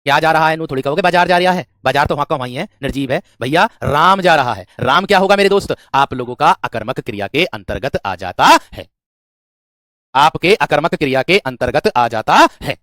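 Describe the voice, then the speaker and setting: This is a man teaching a grammar class for exam candidates. He keeps asking questions and answering them himself, and he often repeats phrases. His voice sits somewhat high and is recorded dry and close. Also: animated, fairly quick, a bit bright, dry recording. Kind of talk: exam-prep grammar lesson.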